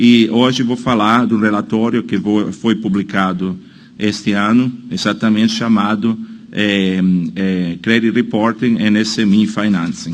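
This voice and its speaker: Audible room echo surrounds a man speaking at a fairly low pitch. His pace is fairly slow and his intonation fairly even. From Italy. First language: Italian (speaking Portuguese). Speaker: World Bank financial infrastructure manager, conference speaker. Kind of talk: conference presentation. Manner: hesitant, with fillers.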